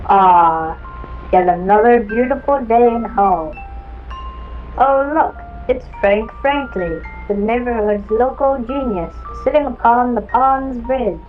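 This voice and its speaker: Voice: medium pitch, slow, lightly acted. A performer voicing a cheerful, sweet, childlike puppet neighbor in a children's show style, with singsong delivery. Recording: muffled lo-fi tape with chiming music.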